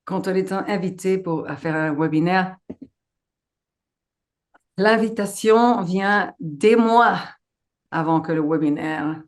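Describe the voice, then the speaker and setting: A middle-aged woman, a non-native speaker with a foreign accent, giving an informal webinar talk as a guest and haltingly searching for her words. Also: lowish voice. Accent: foreign accent in French. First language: not French.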